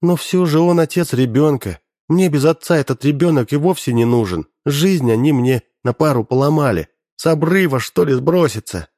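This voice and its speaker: A man's voice: a little high, animated, moderate pace, hardly any pauses, a little mellow, no room sound, clean studio sound, pitched above the performer's own voice. A man voicing a tearful, desperate young pregnant woman who wails and pleads. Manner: wailing, pleading.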